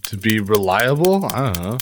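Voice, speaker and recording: A man's voice: fairly low pitch, very animated, moderate pace, a little hiss or hum. A man co-hosting a casual podcast, flustered and exclamatory as he guesses. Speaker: podcast co-host.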